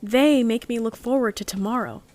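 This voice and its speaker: A woman's voice: on the high side, moderate pace, darkish tone, slight background noise, lightly acted. A woman playing an earnest, lovestruck young member of a heist crew in an audio drama, speaking in a heartfelt, confessional way. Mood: wistful, hopeful. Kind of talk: audio drama monologue and dialogue.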